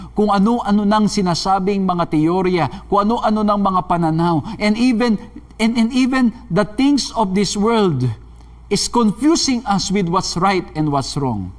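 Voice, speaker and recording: A man with a Filipino accent preaching a sermon, earnest and exhorting, repeating his points. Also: high-pitched. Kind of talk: sermon mixing Tagalog and English.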